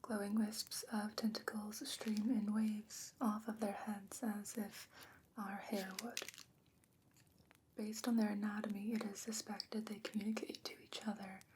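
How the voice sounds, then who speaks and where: A woman playing a patient, bookish sorceress in a fantasy ASMR roleplay, whispering breathily and explaining in a measured, gently skeptical way. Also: medium pitch, background noise, natural voice.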